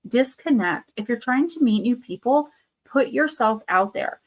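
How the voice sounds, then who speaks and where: A woman's voice: a little high, lively intonation, measured pace. A woman hosting a live card reading stream, losing her voice with a sore throat, chatting loosely with many fillers and restarts. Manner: reads card texts aloud, then riffs loosely with fillers and restarts. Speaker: tarot and oracle card reader, channel host.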